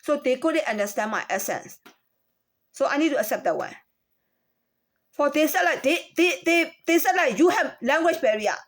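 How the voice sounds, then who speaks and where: A woman with a Chinese accent and a fairly high voice tells her own story of a workplace complaint. She speaks haltingly, restarting her phrases and repeating words. She keeps stopping to ask rhetorical questions. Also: animated. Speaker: former store employee. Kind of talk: personal account of a workplace complaint.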